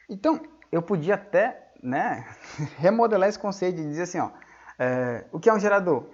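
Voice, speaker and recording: A male physics teacher giving a classroom lecture, explaining patiently, checking whether the students follow, and dictating key terms slowly for notes. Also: a little high, a little mellow. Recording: dull lo-fi audio.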